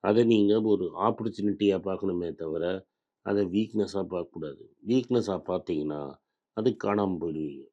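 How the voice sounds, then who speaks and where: A man's voice: low voice, moderate pace, dark tone. A man from Tamil Nadu giving a blunt, scolding motivational talk on investing, with English words mixed into his speech. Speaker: finance commentator. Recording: dull lo-fi sound.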